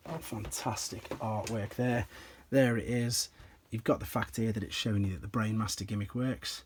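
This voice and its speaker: A man's voice: fairly low pitch, steady tone, normal speed, slightly rough. Enthusiastic man showing off his toys. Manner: enthusiastic, explains step by step with frequent ums. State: slightly hoarse, clears throat. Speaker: toy collector reviewing his collection. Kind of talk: casual toy review, demonstrating on camera.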